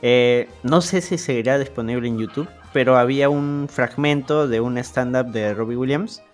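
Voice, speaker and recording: A man's voice: mid-range voice, moderate pace, soft background music. A man, a podcast co-host chatting casually and chiming in easily. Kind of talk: casual chat.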